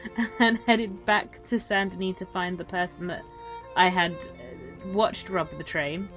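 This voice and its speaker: A woman acts a wry, self-possessed female traveler in a western campfire tale. Her voice sits a little low, and she talks casually with dry understatement and careful pauses. Music plays clearly behind her. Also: lightly acted. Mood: wry recollection. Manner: dry understatement, hesitant deliberate phrasing. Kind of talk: casual in-character campfire storytelling.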